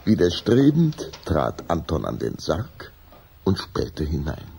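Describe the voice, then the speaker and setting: A man narrating a children's radio play as a measured, solemn storyteller with a raspy voice. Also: a bass voice, wildly swooping pitch, darkish tone, slight background noise, exaggerated voice. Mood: measured, eerie. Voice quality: raspy, gravelly.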